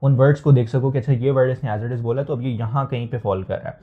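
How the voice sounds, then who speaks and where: A man's voice: mid-range voice, fairly even intonation, quick pace, breathy edge. A young man giving IELTS listening tips as an instructor in a casual lecture, explaining at length and slipping English phrases into his talk. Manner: explanatory, mixes English phrases, frequent fillers. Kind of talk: casual Hindustani lecture with English code-switching. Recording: slightly dull lo-fi audio.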